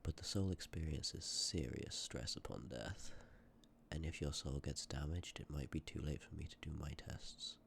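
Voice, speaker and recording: A man playing a sympathetic, courteous Death in an ASMR roleplay, speaking with measured, formal politeness and often dropping toward a breathy whisper. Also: very deep voice, fairly bright tone, a little hiss or hum, full character voice. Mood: apologetic, explanatory. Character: sympathetic, courteous personification of Death, calm and ancient. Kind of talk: ASMR roleplay, scripted acting addressed to listener.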